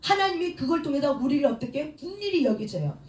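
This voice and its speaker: A woman's voice: high voice, expressive, fast talker, darkish tone. A woman pastor giving a sermon who leads the congregation in call-and-response and acts out prayers with rising emotion. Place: church or prayer hall. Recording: echoey room, mic at a distance.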